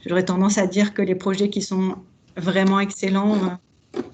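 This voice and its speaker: A woman's voice: mid-range voice, completely flat delivery, moderate pace, lo-fi sound, background noise. A woman, speaking as an expert evaluator in a webinar, explaining steadily with some fillers. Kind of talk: webinar discussion.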